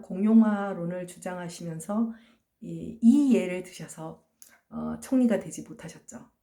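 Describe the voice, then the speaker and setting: A woman teaching a phonology lecture. She explains patiently, asks questions and answers them herself, and says sounds slowly to show them. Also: on the low side, mellow. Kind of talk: recorded online lecture.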